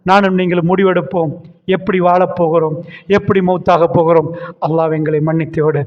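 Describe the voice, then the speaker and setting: A man preaching an impassioned sermon, telling stories with rising fervor that builds to loud cries. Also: high-pitched, little pitch movement, a little fast. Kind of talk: Islamic sermon. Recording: reverberant hall sound, muffled lo-fi.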